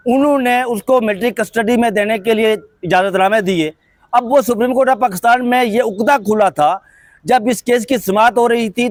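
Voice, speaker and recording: Pakistani man, political commentator; high voice, dry close sound, measured and critical delivery. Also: no echo. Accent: Pakistani Urdu. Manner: measured, explanatory, pointedly critical. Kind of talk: news commentary to viewers.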